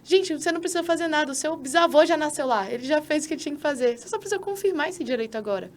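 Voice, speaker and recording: A woman's voice: high-pitched, animated, rapid-fire. A Brazilian woman with a Brazilian Portuguese accent, speaking as a podcast co-host and citizenship consultant in casual, persuasive talk that addresses listeners directly.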